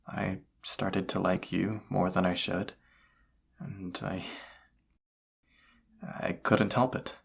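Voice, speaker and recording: Low, husky, flustered young incubus played by a man. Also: little pitch movement, full character voice. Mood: nervous, confessing. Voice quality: breathy, husky. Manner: halting, hesitant delivery with stammers. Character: young male incubus, flustered lovestruck roommate. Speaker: voice actor in audio roleplay. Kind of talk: intimate romantic audio roleplay acting.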